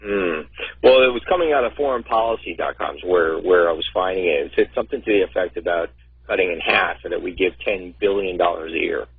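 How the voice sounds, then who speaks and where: A man's voice: sits low, brisk, slightly rough, no echo. A man calling in to a radio show over the phone, chatting in a plain, conversational way. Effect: phone line. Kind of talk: casual call-in chat. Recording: tinny phone line.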